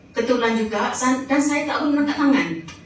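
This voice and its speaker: A woman talks with ordinary pitch variation. Audible room echo and noticeable background noise fill the recording. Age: 60s. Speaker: cancer patient giving testimonial. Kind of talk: testimony.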